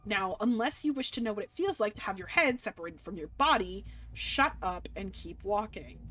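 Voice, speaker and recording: A woman's voice: medium pitch, expressive, normal speed, sharp tone. A woman voicing a cold, impatient male god from a visual novel, curt and dismissive. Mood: irritated. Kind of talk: reading visual novel dialogue aloud.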